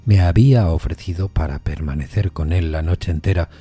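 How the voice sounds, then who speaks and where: A man narrating a literary suspense story in a measured, solemn manner. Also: sits low, dark tone, slightly rough, faint music behind.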